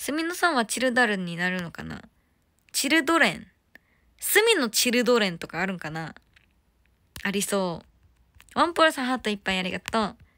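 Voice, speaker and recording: A woman at a fairly high pitch with a bright, sharp tone, very wide pitch swings, big swings in loudness, a fairly quick pace and long, frequent pauses, over a quiet background. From South Korea. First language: Korean (speaking Japanese). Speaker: idol singer; idol livestreamer. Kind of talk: casual live stream chat. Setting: at home. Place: home room. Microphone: phone near.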